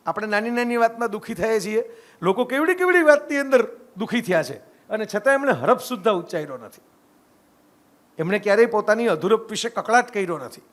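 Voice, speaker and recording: A middle-aged Gujarati man from India speaks briskly in a high, expressive voice. His conversational lecture, a storytelling public talk, combines stories and reflection, and he often checks in with listeners by asking "right?"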